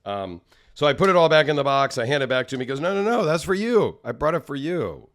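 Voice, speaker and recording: A man hosting a casual solo vlog, chatty and rambling, his voice a little raspy and tired from travel. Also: fairly high pitch, lively intonation, quick pace. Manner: rambling, self-deprecating, chatty. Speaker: knife channel host.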